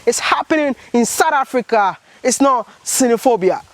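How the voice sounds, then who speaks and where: A man's voice: very high voice, expressive, moderate pace, no room sound, rough recording. A man vlogging with earnest, impassioned commentary, asking repeated rhetorical questions.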